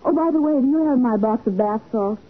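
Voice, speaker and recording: An actress playing an earnest, plucky detective's assistant, speaking emphatically in 1940s radio drama style. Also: female voice, on the high side, animated, a little fast. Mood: puzzled. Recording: muffled, faintly noisy 1940s radio recording.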